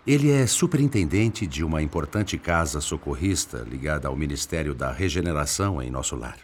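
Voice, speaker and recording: Um ator interpretando um espírito mais velho, experiente e cordial, com fala ponderada de radionovela. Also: male voice, very deep voice, lively intonation, fairly quick, husky, exaggerated voice. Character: friendly older male spirit, experienced helper. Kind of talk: radio drama acting.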